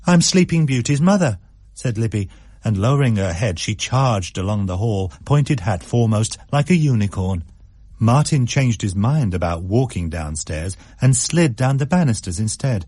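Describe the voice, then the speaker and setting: A man reading a story aloud in a measured, wry narration. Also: on the low side, expressive, a little mellow, husky, no echo, studio quality. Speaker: story reader.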